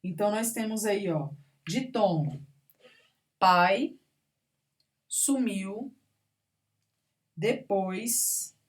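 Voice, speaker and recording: A woman's voice: medium pitch, animated, slow, long pauses. A woman teaching a grammar lesson, patiently going through examples one word at a time and checking in with her students. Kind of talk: recorded classroom grammar lesson.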